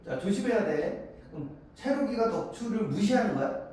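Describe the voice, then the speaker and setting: A man in his forties teaching a Korean literature class, lively and animated, often checking that students agree and acting out lines of dialogue in quick voices. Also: high voice. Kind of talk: classroom lecture. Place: large echoey classroom. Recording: very echoey classroom, voice far from the mic, faint hiss.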